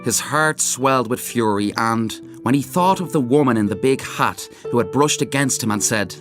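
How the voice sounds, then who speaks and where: A man narrating literary fiction as an audiobook reader, with dramatic, measured storytelling. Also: mid-range voice, lively intonation, over music. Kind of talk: expressive scripted literary narration.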